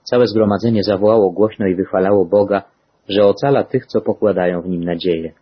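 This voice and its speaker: A man reads scripture aloud in a solemn, measured manner. His voice sits fairly low and has a husky grain. The recording sounds muffled and lo-fi. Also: fairly even intonation. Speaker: scripture reader. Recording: dull lo-fi recording.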